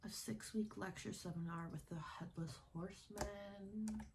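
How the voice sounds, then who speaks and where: A woman softly role-playing a friendly, easygoing student advisor in an ASMR style, casual and halting, with some whispering. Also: mid-range voice, fairly even intonation, close to an everyday voice. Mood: calm, pondering. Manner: casual, unhurried, halting with trailing pauses. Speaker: ASMR roleplayer. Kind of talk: ASMR roleplay, soft-spoken with some whispering. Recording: faint noise, keyboard typing and clicking. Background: typing, tapping and clicking sounds.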